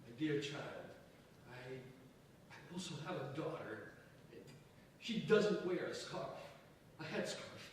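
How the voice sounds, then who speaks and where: An older male professor as a stage actor plays him, fairly high in pitch, placating and paternal with a hesitant, pleading delivery. He sounds distant in a heavily reverberant room. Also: lively intonation, slow pace, pauses often, a little hiss or hum. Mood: pleading, defensive. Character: anxious older professor and father, placating, reasoning. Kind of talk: dramatic staged reading. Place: theatre space at a staged reading. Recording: very echoey hall, distant mic.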